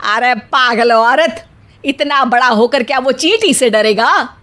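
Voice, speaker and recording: A woman's voice: fairly high pitch, expressive, slow, fairly bright tone. A woman voicing a bossy, easily frightened middle-aged mother-in-law in a cartoon story, scolding as she talks.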